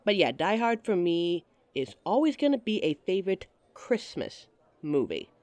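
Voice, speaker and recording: Playful woman with a lively, teasing voice. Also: lowish voice, normal speed, no echo. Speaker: audio roleplay performer. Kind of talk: scripted roleplay monologue to a listener.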